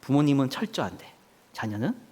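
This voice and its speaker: A man's voice: mid-range voice, big pitch swings, a little fast, warm tone, husky, big-room sound. A man preaching a sermon, asking the congregation rhetorical questions and acting out a child crying for his parents.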